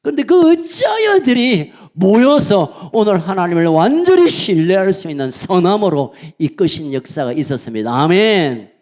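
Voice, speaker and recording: A male pastor preaching a sermon in a church, swinging between loud, fervent lines and soft asides. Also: high voice, sing-song, moderate pace, few pauses. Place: church sanctuary.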